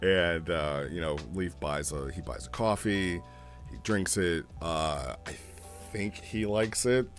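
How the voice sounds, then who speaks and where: Casual male review host: deep register, slow and halting, retells stories informally over music. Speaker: host reviewing online roleplay sessions. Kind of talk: casual commentary, retelling a story.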